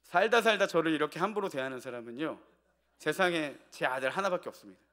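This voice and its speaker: A man's voice: a little high, lively intonation, fast, pushed and bright. A male pastor preaching an evening sermon in a church. He tells a family story and asks the congregation rhetorical questions.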